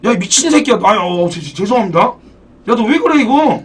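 A young man live-streaming a game, excitable and profane, thanking donors as he plays. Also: high voice, normal speed, breathy edge. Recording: distant mic, background music.

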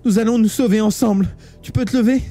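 A man voicing a frightened, tearful teenage schoolgirl in a live audiobook reading, with high, strained pleas. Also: fairly even intonation, moderate pace, warm tone, faint music behind. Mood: sobbing.

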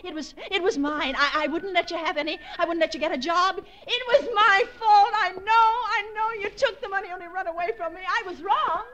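An actress playing a frightened, guilt-ridden sister pleading in 1940s radio suspense style, with a breathless, quavering delivery. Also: female voice, very high-pitched, fairly quick, few pauses, sharp tone. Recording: noisy vintage radio recording.

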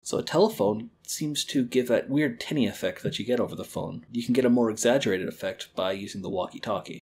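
A man teaching a screen-recorded lesson on a quality desk microphone, calmly explaining audio editing and wave theory step by step. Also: medium pitch, fast talker, slight background noise. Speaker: library educator.

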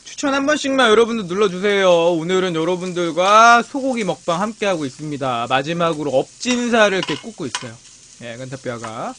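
A man's voice: high-pitched, sing-song, fairly quick, a bit bright, a little hiss or hum. A man hosting a live-stream mukbang, casually chatting with viewers and teasing them as friends while he grills meat. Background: meat sizzling on a grill.

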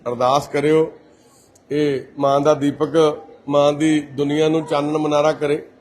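A man from Punjab, India, the volunteer host of a care society, walking through a care centre and gently reassuring patients and their families. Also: fairly high pitch, little pitch movement, measured pace. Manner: gentle and reassuring, calls people mother and brother. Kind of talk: casual on-camera walkthrough talk.

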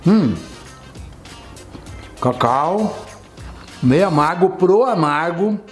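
Casual Brazilian male vlogger, mid-high voice, mouth full, talking while chewing. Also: lively intonation, very slow, soft background music. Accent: Brazilian Portuguese. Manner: informal, swears casually. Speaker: food vlogger. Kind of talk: casual product tasting review.

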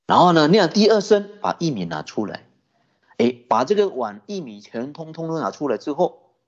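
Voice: medium pitch, big pitch swings, moderate pace. A Buddhist teacher giving a sermon, telling a story with many rhetorical questions. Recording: dull lo-fi recording.

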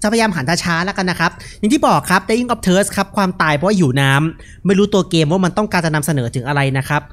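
A man's voice: sits high, quick pace, fairly bright tone. Laid-back young man commentating a horror game. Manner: laid-back, joking, unafraid. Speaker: gaming video host.

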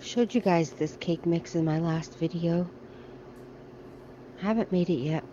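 Middle-aged American woman, casual shopping vlogger, mellow tone, chatty and offhand, phone mic with faint store ambience. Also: fairly low pitch, a little slow, highs cut off, slight background noise. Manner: chatty, thinking aloud while browsing. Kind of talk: casual shop-with-me vlog. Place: large discount store aisles. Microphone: handheld phone camera.

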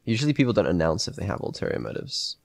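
A man with a very low voice chats casually as he streams a game. His reactions are understated and deadpan. The recording is dry, with no room sound. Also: fast talker, gravelly, no echo. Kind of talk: casual chat while gaming.

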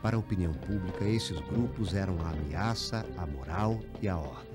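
A man reading scripted narration for a documentary in a measured, solemn way. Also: low voice, loud music behind the voice.

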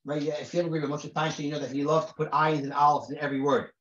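Israeli-raised rabbi teaching in an echoey room. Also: male voice, on the high side, steady tone, a bit bright. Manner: conversational, many restarts and repeated words; reads Hebrew sources aloud quickly. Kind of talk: recorded lecture to a group. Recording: roomy, dull lo-fi sound.

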